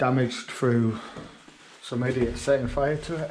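A man talks at a moderate pace with light background noise behind him. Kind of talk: casual exploration chat. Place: hall. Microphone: phone near.

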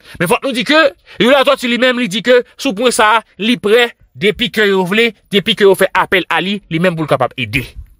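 With lively intonation and a fairly quick pace, a man speaks in a high pitch, the sound dry and close with no echo. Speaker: news channel narrator. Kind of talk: news commentary. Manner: hesitant, many fillers.

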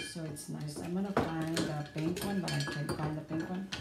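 A woman talks over loud noise in the background. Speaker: haul vlogger. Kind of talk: casual vlog chat. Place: kitchen. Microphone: phone near.

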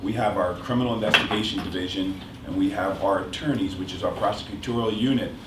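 Over noticeable background noise, a man with a fairly low pitch speaks very fast with fairly even intonation. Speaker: district attorney. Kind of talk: speech. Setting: stage with audience.

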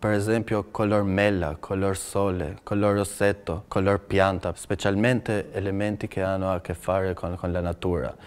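In an Albanian accent, a man talks at a moderate pace with hardly any pauses, his fairly low voice keeping fairly even intonation. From Albania, Shkodër. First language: Albanian (speaking Italian). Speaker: visual artist. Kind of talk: interview monologue about own work; interview answer. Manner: halting, many fillers and repetitions. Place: hall.

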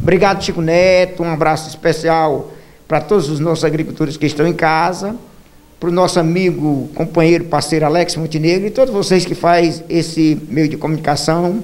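At a fairly quick pace, a man with a high pitch speaks with fairly even intonation. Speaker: rural workers' union president. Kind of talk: interview. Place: office. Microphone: handheld.

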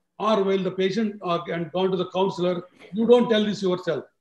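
Audible room echo surrounds a man with an Indian accent who speaks high for a man, at a fairly quick pace and with fairly even intonation. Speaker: orthopaedic surgeon; presenter. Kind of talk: webinar lecture. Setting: video call. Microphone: video call.

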